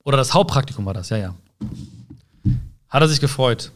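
A man hosting a podcast, giving a gentle, encouraging self-help monologue straight to the listener and often tagging his sentences with a questioning "ja?". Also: medium pitch, expressive, a little fast. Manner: tags sentences with "ja?" and "ne?". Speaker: podcast host.

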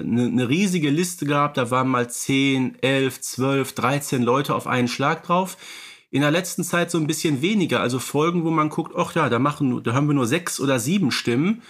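A man's voice: fairly high pitch, fairly bright tone. Man, analytical podcast co-host. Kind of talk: conversational podcast discussion.

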